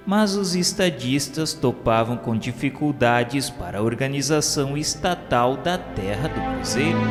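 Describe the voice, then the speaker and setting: A man narrating a scripted religious radio drama in a formal, solemn, declamatory way. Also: mid-range voice. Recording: reverberant, with music underneath.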